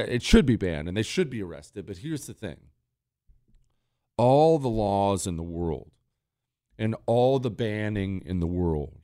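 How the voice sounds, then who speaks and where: Blunt low-voiced talk radio host. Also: male voice, a little mellow, dry recording, clean studio sound. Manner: blunt, emphatic, preachy. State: near losing his voice, sucking a cough drop. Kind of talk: opinion talk radio monologue.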